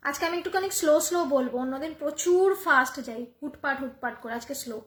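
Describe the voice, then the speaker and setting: A woman's voice: sits high, fast talker. A woman with a Bengali accent selling jewellery on a live phone stream from home, chatty and repeating each price to viewers. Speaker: online jewellery seller. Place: home room. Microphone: phone camera. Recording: echoey room.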